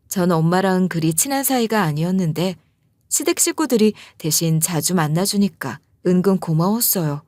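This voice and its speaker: A woman's voice: medium pitch, warm tone, dry recording. Woman narrating a first-person story, dry. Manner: chatty, confiding storyteller.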